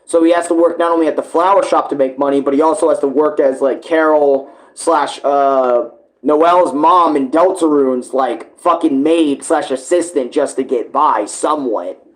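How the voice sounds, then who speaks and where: A man's voice: fairly high pitch, moderate pace, low-quality recording. A man giving casual live reaction commentary, rambling bluntly and informally with heavy swearing. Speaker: reaction streamer.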